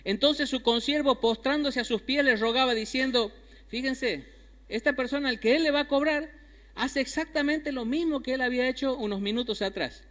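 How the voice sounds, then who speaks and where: A man's voice: very high-pitched, moderate pace, a bit bright. A man preaching a sermon, emphatic, repeating key phrases and asking his listeners questions. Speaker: pastor. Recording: long hall reverb.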